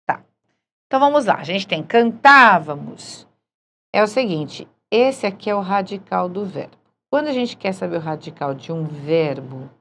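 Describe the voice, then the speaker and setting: A woman's voice: mid-range voice, fairly bright tone, a little hiss or hum. A woman teaching a recorded grammar lesson, patient and often checking in with her students. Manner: patient, checks in with frequent "certo?".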